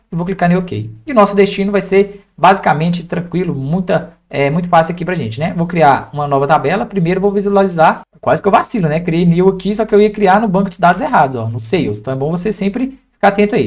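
A young man with a Brazilian accent giving an informal step-by-step software tutorial, often adding little checking tags as he explains. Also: high voice. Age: young adult. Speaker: data engineering instructor. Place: indoors at a computer, screen recording with webcam.

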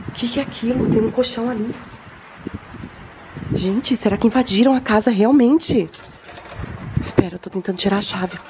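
A Brazilian woman, a mother, narrating a dramatized family vlog in an anxious, hushed manner that turns frantic. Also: fairly low pitch, noisy background. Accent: Brazilian Portuguese. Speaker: vlogger and mother.

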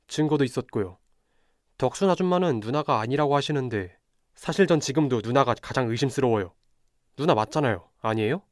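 A man's voice: mid-range voice, no room sound, clean studio sound, close to an everyday voice. A young man acting a polite but calculating amateur detective in a radio drama. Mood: accusing. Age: young adult.

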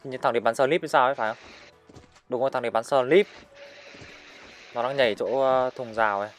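A man giving live commentary over his own shooter match, excitably calling out enemies and urging his teammates on. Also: mid-range voice, a little fast, soft background music. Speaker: gaming channel host.

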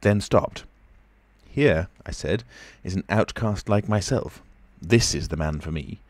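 A man's voice: low-pitched, a little slow, dry recording. A man voicing a commanding, menacing invisible man in an audiobook, speaking urgently and domineeringly. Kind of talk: audiobook character voice.

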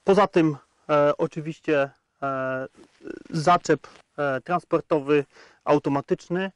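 A man's voice: on the high side, fairly even intonation, takes it slowly, dry recording. A man in his thirties presenting a tractor test outdoors in a field, talking with frequent hesitation sounds between facts. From Poland. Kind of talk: product review walkaround.

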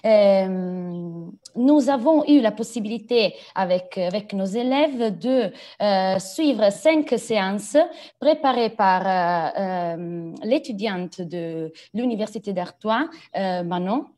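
A woman's voice: medium pitch, animated, slow, mellow. A young woman in French, a language teacher presenting informally on a video call. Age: young adult. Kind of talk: informal presentation at an online meeting.

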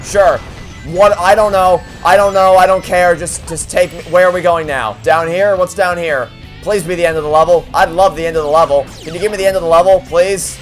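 A man's voice: high voice, steady tone, fairly quick, soft background music. A young man giving sarcastic, exasperated commentary while playing a video game, swearing and complaining often. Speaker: let's play host. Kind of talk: profane frustrated gameplay commentary.

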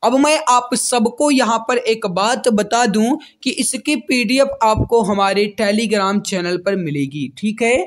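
A man's voice: sits high, takes it slowly, few pauses. A man teaching a quiz-based exam-prep lesson, speaking directly to students in a repetitive, emphatic coaching manner.

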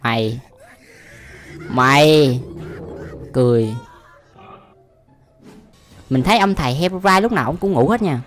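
A man's voice: a little high, unhurried, pauses often, fairly bright tone, faint music behind. A young man with a Southern Vietnamese accent giving casual, slangy, exclamatory reaction commentary as a video host. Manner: slangy, frequent exclamations and laughter.

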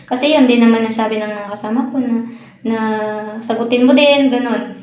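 Soft-spoken Filipina nanny in echoey room. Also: female voice, a little high, fairly even intonation, brisk. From Philippines. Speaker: overseas nanny. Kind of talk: personal account to camera. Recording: echoey room with faint noise.

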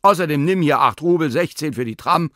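An excitable old professor in an audiobook, barking orders with a raised, agitated, lively voice, as a male reader plays him. The sound is dry and close. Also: on the high side, a little fast, dry recording, voice pushed up. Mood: commanding.

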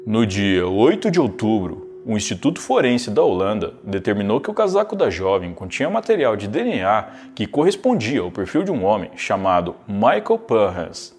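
A man's voice: fairly low pitch, very animated, normal speed, few pauses, darkish tone. A man, narrating a true crime case in a scripted, storytelling way as a video host. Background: faint background music.

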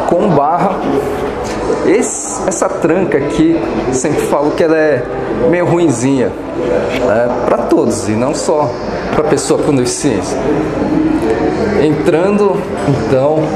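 A middle-aged man with a Brazilian Portuguese accent, giving a halting, explanatory walk-through commentary to camera in a casual style. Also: on the high side, heavy background noise. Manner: halting, explanatory, often seeking agreement with tag words. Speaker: accessibility vlogger. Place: on location at a stadium, outdoors then indoor concrete halls and restroom.

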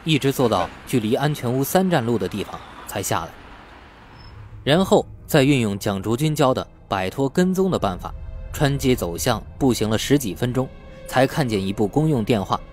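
A man narrates a novel in a scripted audiobook style. His pitch is medium and moves around in a lively way. Faint music plays behind him.

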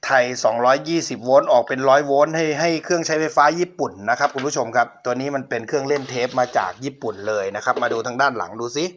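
A man's voice: mid-range voice, fast talker, hardly any pauses. A middle-aged man hosting his own channel, politely showing viewers an old cassette player and talking to them often. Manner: polite, repeatedly addresses viewers. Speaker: channel host reviewing a cassette player for sale. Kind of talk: casual product demo.

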